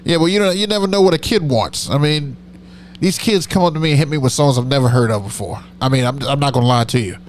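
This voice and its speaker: A man's voice: mid-range voice, fast talker. Man, middle-aged, nasal, rambling casual stream host, faint hum. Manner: rambling, self-correcting, chatty. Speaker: DJ hosting a live stream. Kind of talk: casual live-stream chat reading comments.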